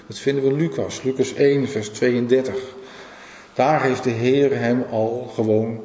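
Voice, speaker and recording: A man's voice: mid-range voice, a little mellow. A man preaching a sermon earnestly, repeating phrases for emphasis and asking the listeners questions. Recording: echoey hall, dull lo-fi sound.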